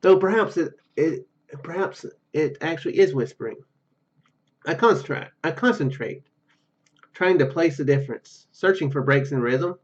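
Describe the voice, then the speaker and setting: A man's voice: on the high side, lively intonation, moderate pace. A man reading a game's narration aloud and adding casual commentary as a gaming video host, on a slightly lo-fi microphone.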